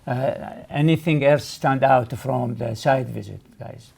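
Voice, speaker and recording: A man hosting and moderating a group discussion, prompting people briskly and acknowledging them in short phrases. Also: medium pitch, gravelly, a little mellow. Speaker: host.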